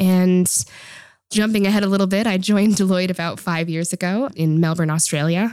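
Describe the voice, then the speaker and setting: With a Boston accent, a woman speaks at a fairly quick pace in a dark, mellow tone. Her pitch varies in an ordinary way, and the recording is very clean with a silent background. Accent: Boston-area American, non-Dutch. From Boston, US. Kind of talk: casual interview chat.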